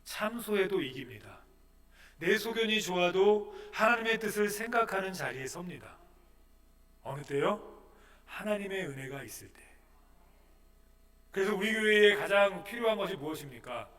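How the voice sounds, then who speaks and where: A pastor preaching in a church sanctuary, his voice high and bright. He poses questions to the congregation, dropping soft and then rising to forceful emphasis. He sounds a little distant from the microphone. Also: expressive, moderate pace, long pauses. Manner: preaching with rhetorical questions, swings from soft to loud. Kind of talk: sermon.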